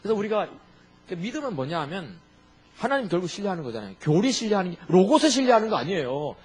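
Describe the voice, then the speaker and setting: A middle-aged male pastor delivering an emphatic sermon. His voice sits a little high with a husky edge, and his pitch leaps and drops as he throws questions at the congregation. He hammers each point home with insistent repetition. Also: big pitch swings, fast talker, a little mellow.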